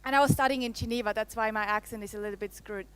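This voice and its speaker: A woman's voice: on the high side, steady tone, rapid-fire, fairly bright tone, clear, resonant tone. Playful Swiss-accented woman on stage. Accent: Swiss, with some French. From Switzerland. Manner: playful, teasing the audience, laughs often. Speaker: conference speaker. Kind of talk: live keynote presentation. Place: conference hall. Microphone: handheld microphone.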